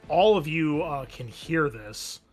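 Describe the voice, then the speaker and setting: A man running a tabletop horror game, narrating scenes in a halting, descriptive way as game master. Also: on the high side, animated, faint music behind.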